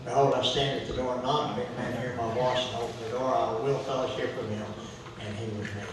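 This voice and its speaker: A man's voice: medium pitch, flat delivery, quick pace, a crowd in the background. A middle-aged man leading a church Bible study, quoting scripture and prompting the group with questions. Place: church fellowship hall. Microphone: far camera. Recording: echoey hall from far off.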